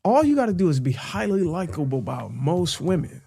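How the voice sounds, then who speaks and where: A man's voice: a little high, big pitch swings, moderate pace, creaky, dark tone, breathy edge. A man on a podcast panel who speaks bluntly and crudely in casual discussion.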